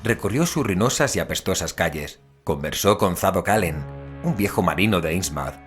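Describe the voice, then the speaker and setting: A man's voice: sits low, animated, moderate pace, soft background music. A man playing a grave, haunted investigator, narrating an audio drama in a solemn, literary way. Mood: grave, horrified. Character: male investigator recounting dark horrors, grave and haunted.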